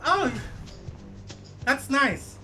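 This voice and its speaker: A man in his late thirties, a streamer casually chatting with viewers while cycling and gaming, rambling and halting with many fillers. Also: extremely high pitch, expressive, sharp tone, faint music behind. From United States.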